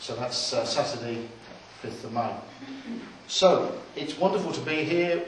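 A man at a moderate pace, with audible room echo and noticeable background noise. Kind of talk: meeting chair's opening remarks. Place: hall. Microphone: camera far.

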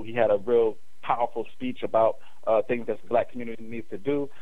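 Fairly even intonation comes through amid audible room echo. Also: man. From Alabama. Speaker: student organizer. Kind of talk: radio interview.

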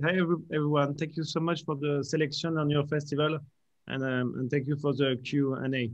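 Against a quiet background, a man with a fairly high pitch talks at a moderate pace in a monotone, flat intonation. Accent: French. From France. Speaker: short film director. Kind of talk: interview answer. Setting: video call. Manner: halting. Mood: polite, grateful. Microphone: video call.

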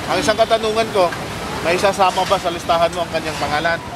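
A fairly quick voice over loud background noise, with a dry sound and no echo. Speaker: street interviewer vlogger. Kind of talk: street interview questions. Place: street. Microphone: phone near.

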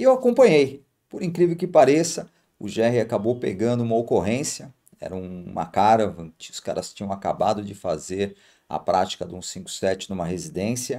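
A man talks at a moderate pace in a dark, mellow tone, with very wide pitch swings and big swings in loudness. The background is quiet. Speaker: channel host. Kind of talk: storytelling intro to camera. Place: studio.

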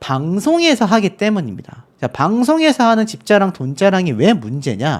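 A man speaks in a high voice on a very clean recording with a silent background. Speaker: celebrity news commentator. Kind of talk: news commentary monologue.

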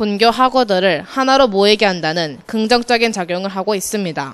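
At a moderate pace and medium pitch, a woman talks with ordinary pitch variation in an ordinary speaking voice. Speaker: student news reporter. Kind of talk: news report. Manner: formal.

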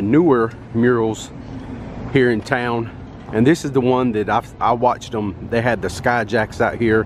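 Over light background noise, a man speaks at a moderate pace with fairly even intonation in a dry sound with no echo. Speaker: travel vlogger. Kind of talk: casual vlog chat. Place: street. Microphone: phone near.

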